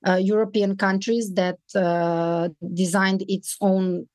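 A woman with a Serbian accent giving conversational interview answers as an expert guest, pausing often mid-phrase. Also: mid-range voice, flat delivery, darkish tone, no echo, studio quality. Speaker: podcast guest, local fintech expert.

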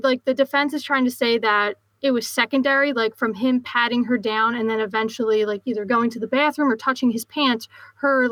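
A woman's voice: on the high side, fairly bright tone, no room sound, poor audio. A woman with a Philadelphia accent hosting a podcast, chatting casually and rambling with lots of fillers. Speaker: podcast host.

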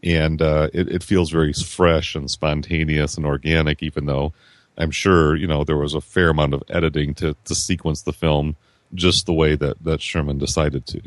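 Rambling deep-voiced man in his fifties. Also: level tone, normal speed, no room sound. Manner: rambling, with many restarts and repeated words. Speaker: podcast guest. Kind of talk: casual film discussion.

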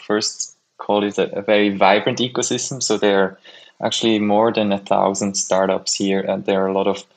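A man's voice: lowish voice, flat delivery, normal speed. A man from Switzerland who leads a startup incubator, speaking eagerly as a podcast guest and often repeating words as he goes. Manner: eager, repeats words while finding them. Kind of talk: casual interview answers.

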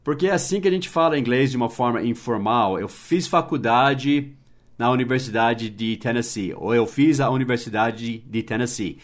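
A man hosting a casual podcast lesson, patiently explaining and spelling words out letter by letter. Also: mid-range voice. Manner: slows down to model English phrases, adds tag questions. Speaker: English teacher and podcast host.

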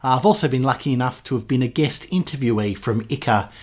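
A man's voice: mid-range voice, fast talker. A man from Australia sending a friendly recorded listener message.

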